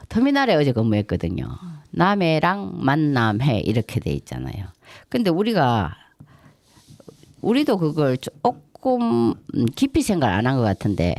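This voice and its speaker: Middle-aged Gyeongsang woman, lively, gravelly. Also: a bass voice, dry recording. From Namhae, South Korea. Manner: animated retelling, acts out quoted dialogue. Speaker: radio co-host and tour guide. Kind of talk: casual radio chat, storytelling. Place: community radio studio. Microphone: studio microphone.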